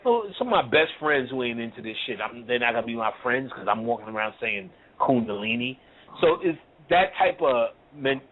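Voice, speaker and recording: A man's voice: mid-range voice, slightly rough. Man, spiritual teacher, blunt and profane, street slang, phone-quality audio. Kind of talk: casual profane lecture.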